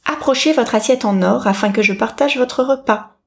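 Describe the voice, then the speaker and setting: A woman's voice: fairly high pitch, moderate pace, vocal fry, voice pushed up. A woman doing a pushy talking toad. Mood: demanding. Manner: insistent, coaxing pleas. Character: slimy, persistent talking toad, male.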